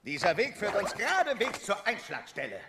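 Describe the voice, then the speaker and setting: An eccentric weasel adventurer, theatrical and full of himself. His voice is high and swoops all over the place. It is an audio drama. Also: brisk, music in the background, heavily acted. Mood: excited. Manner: theatrical, excitable, pompous. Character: eccentric one-eyed male weasel adventurer.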